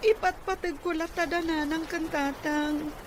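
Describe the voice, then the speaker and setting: An actress with an Ilocano accent playing an understanding young niece in an audio drama. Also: female voice, extremely high pitch, steady tone, unhurried. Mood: hurt, accepting. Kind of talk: Ilocano radio-style drama acting. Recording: clearly noisy ambient background.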